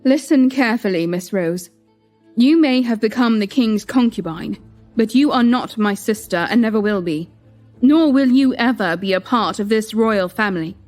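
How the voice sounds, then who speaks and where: A woman's voice: a little high, moderate pace, faint music behind, lightly acted. A woman playing a proud young queen who speaks firmly and steadily, holding back her anger. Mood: cold firm. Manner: firm, steady, controlled. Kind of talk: audio drama acting.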